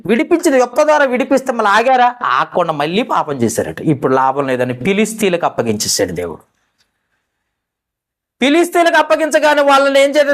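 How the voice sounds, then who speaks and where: A man preaching a sermon, addressing the listeners with questions and swinging between loud pleading peaks and low asides. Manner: asks the listeners questions directly.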